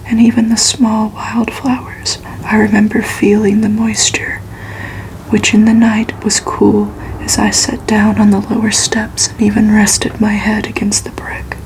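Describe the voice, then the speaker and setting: A woman doing whispered ASMR reading in a breathy, slightly cracked voice, gentle and unhurried, a little short of breath while getting over a cold. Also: mid-range voice, a little hiss or hum, rough recording. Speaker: host of an ASMR reading channel.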